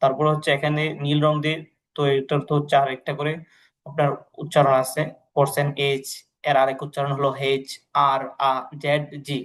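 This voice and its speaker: Male teacher, patient, repetitive delivery, slightly high voice. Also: completely flat delivery, fairly quick. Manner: repetitive, patient, many fillers and pious phrases. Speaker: English teacher. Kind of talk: online language class, explaining to students.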